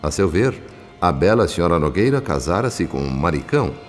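A Brazilian man reading scripted, literary radio drama narration in a measured, formal and solemn storytelling manner. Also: low voice, big pitch swings. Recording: long reverb, music behind. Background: background music.

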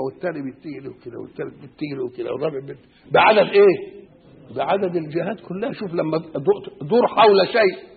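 A man's voice: high-pitched, creaky. A man with an Egyptian Arabic accent teaching Quran exegesis, posing rhetorical questions and answering them himself. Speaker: religious scholar. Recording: tinny phone-like lo-fi recording.

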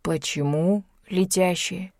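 A woman voicing a stolid, unflappable man who speaks slowly and deliberately in a lowered voice. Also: darkish tone, no room sound, studio quality. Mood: deadpan.

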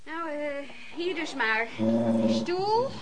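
An actress in a Dutch radio play voicing a weary lodging-house woman with a halting, matter-of-fact way of talking. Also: high-pitched, big pitch swings, exaggerated voice. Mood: hesitant. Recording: noisy old radio play recording.

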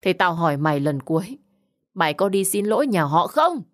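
Woman voicing a furious shouting middle-aged mother for an audio story, shrill and cutting, fairly low voice. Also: sing-song, normal speed. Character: harsh scolding middle-aged mother, quick-tempered.

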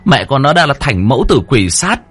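A man's voice: medium pitch, very animated, a little fast, a bit bright, breathy edge, soft background music, pitched above the performer's own voice. A man voicing a young male exorcist who scolds his companions in exasperation. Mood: exasperated.

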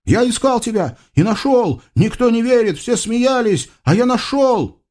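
Guy doing a keen naive young guy in a storybook, high and earnest, really lively. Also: measured pace, full character voice. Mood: eager. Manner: eager, earnest, high-pitched. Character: young male nephew, eager, earnest, naive.

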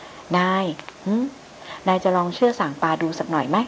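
A woman voicing a wild young male jungle tracker who speaks flatly in a low murmur. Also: normal speed, slight background noise, lightly acted, poor audio. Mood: deadpan. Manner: flat, low-murmured speech.

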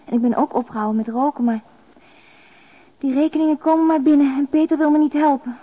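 Actress as a weary, subdued single mother, higher-pitched. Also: fairly even intonation, fast talker, close to an everyday voice. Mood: weary, resigned. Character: weary, despairing young single mother confiding by letter. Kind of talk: radio drama monologue, letter voice-over. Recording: dull, lo-fi radio drama recording.

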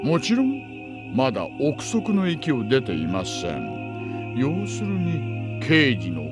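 An actor playing a wily, smooth-talking middle-aged police detective in an audio drama, unctuously polite and insinuating. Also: male voice, medium pitch, wildly swooping pitch, slow, music in the background, heavily acted. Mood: calm persuasion. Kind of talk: Japanese audio drama acting.

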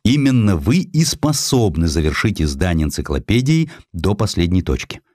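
A man voicing a gruff, plain-spoken merchant publisher in an emphatic, forthright way for an audiobook. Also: sits low, very animated, moderate pace, a little mellow, dry recording, clean studio sound. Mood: resolute.

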